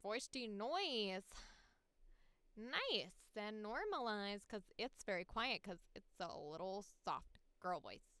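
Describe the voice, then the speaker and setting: A woman's voice: mid-range voice, animated, a little slow, hardly any pauses, a bit bright, clean tone, no room sound. A woman chatting casually and swearing freely as she talks herself through her work on a livestream. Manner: sweary, exclamatory, self-narrating. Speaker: voice actor livestreaming. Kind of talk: casual livestream chat while working.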